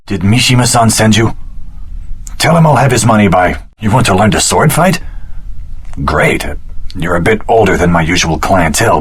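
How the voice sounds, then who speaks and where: An actor playing a wry, world-weary swordsman hero in a video game, speaking in a dry, casual, gravelly voice. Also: deep voice, fairly bright tone, heavily acted. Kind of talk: scripted video game voice acting.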